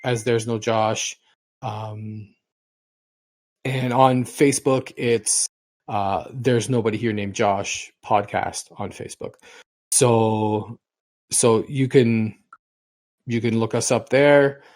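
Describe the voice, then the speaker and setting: Here a middle-aged podcast co-host talks slowly in a fairly low, darkish voice with fairly even intonation, pausing often. His long, rambling stories are full of repetition and restarted words.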